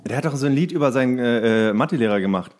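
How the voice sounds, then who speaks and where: A man's voice: mid-range voice, expressive, racing, darkish tone, a little hiss or hum. A man co-hosting a casual podcast in joking banter, his speech chewy as if his mouth is full. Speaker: podcast co-host.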